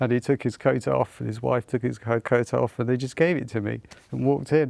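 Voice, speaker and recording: Vocal fry runs through a man's medium-pitched voice as he talks fairly quickly. The sound is dry and close, with no echo. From South West England, Devon. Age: 60s. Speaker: hospital consultant and professor. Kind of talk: casual chat. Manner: animated storytelling.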